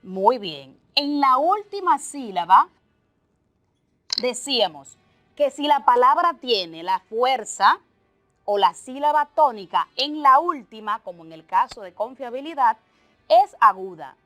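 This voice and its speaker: A woman teacher, explaining a lesson slowly and carefully, listing terms one by one and working through examples. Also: fairly high pitch, very animated, pushed and bright, dry recording, faint music behind. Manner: slow, deliberate explaining with lists and examples. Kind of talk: televised remote class.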